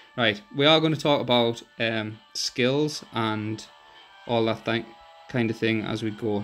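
Over music in the background, a man talks at medium pitch with ordinary pitch variation. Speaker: mobile game reviewer. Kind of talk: casual game review talk. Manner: hesitant, many filler words.

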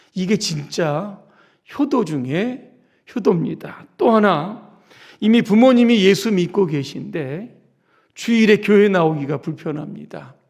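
In a very clean recording with a silent background, a man speaks at a very slow pace. His pitch is high and his intonation lively. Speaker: pastor. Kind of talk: sermon. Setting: church.

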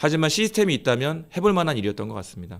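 Over a quiet background, a man's pitch swings very widely. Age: 40s. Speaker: insurance-manager-turned-network marketing lecturer; presenter. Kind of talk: business presentation lecture. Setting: online video broadcast. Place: studio. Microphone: lapel.

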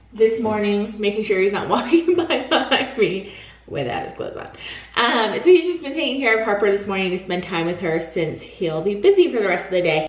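A woman talks at a fairly quick pace. There is audible echo from the room. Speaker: vlogger. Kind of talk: casual vlog chat. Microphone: camera far.

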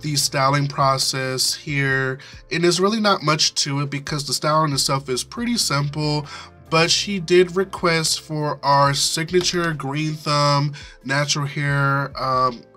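A man at a fairly slow pace with fairly even intonation, faint music in the background. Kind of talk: casual tutorial commentary. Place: shop.

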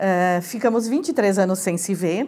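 This woman's medium-pitched voice has a dark, mellow tone and ordinary pitch variation. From southern Brazil, Erechim area (Rio Grande do Sul); Rio Grande do Sul, Brazil. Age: 50s. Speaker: retired teacher. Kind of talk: life-story interview. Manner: halting, many fillers. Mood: reflective, warm. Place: studio.

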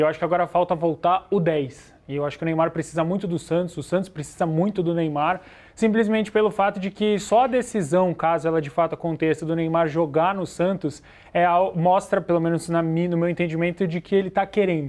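The speaker is a man with a high-pitched voice. His intonation stays fairly even. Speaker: football tactics analyst. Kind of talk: casual sports talk show. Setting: TV studio.

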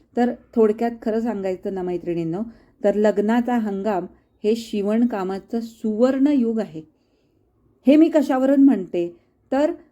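Set against a quiet background, a woman's fairly high voice carries a dark, mellow tone and ordinary pitch variation. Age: 60s. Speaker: sewing tutorial youtuber. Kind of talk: tutorial. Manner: conversational.

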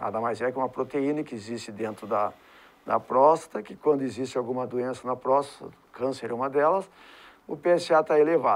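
A man's fairly quick speech, with big swings in loudness and ordinary pitch variation. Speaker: guest. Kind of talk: interview answer. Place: studio. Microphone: lapel.

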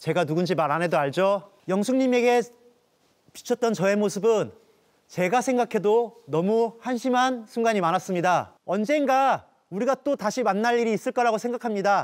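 A man talks at a moderate pace in a high pitch, with ordinary pitch variation. The background is quiet. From Seoul, South Korea. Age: 30s. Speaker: dating show contestant. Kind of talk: self-introduction. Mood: regretful, sincere. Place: open country.

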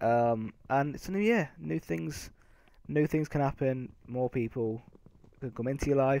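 A man with a British accent speaks fairly slowly at a medium pitch, his dark, mellow tone showing ordinary pitch variation. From United Kingdom. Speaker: gaming YouTuber. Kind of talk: casual let's play commentary.

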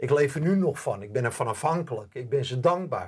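Somewhat breathy, a man with a fairly high pitch talks with lively intonation. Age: 60s. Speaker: documentary filmmaker; guest. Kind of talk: interview. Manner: halting, many hesitations; animated. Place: studio.

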